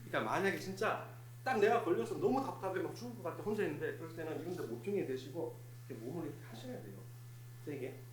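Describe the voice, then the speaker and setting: A man's voice: a little high, expressive, fast talker, echoey room, a little hiss or hum. A man leading a hands-on first aid demonstration for a live group, instructive and repetitive as he talks the group through each step. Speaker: fire safety instructor. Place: hall of a place of worship.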